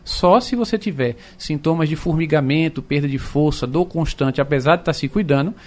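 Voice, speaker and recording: A man, an orthopedic doctor explaining calmly on radio with plain comparisons. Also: a little high, moderate pace.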